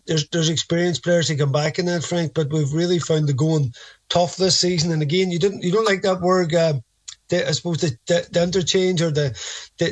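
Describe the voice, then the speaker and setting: A man with a Donegal accent presents sports talk in a fairly high voice. His delivery is conversational, as a host leading a discussion. The recording is dry and free of room sound. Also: dry recording. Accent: Donegal Irish.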